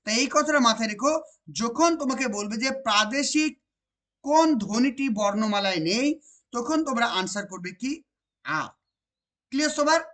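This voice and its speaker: A woman with a West Bengal accent teaching an exam-prep grammar lesson. She repeats each point and keeps asking whether it is clear. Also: a little high, lively intonation, a bit bright. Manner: repeats points and asks rhetorical check questions; slows down to stress key phrases.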